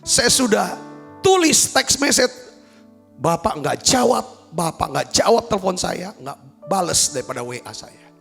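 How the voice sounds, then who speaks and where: A pastor putting on an irritated, nagging churchgoer. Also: male voice, big pitch swings, measured pace, vocal fry, fairly bright tone, faint music behind, heavily acted. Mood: annoyed. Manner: complaining, insistent, rising pitch. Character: irritated demanding male churchgoer.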